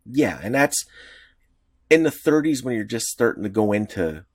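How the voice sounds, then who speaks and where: A man co-hosting a casual podcast chat, his pitch rising and falling in lively swings as he rambles and restarts his sentences. The sound is close and dry, with no room around him. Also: moderate pace, no room sound. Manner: rambling, many restarts, laughs easily. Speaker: podcast co-host.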